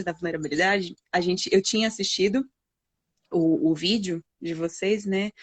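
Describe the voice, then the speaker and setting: A woman, a guest mother telling a personal story in a halting way, with many fillers. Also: mid-range voice, no room sound. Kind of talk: personal storytelling in a live chat.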